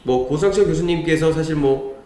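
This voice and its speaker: A man hosting a live stream, reading out viewer comments in a chatty, lively way. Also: on the high side, moderate pace, a little hiss or hum. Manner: lively, chatty, frequent laughs and fillers. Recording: echoey room.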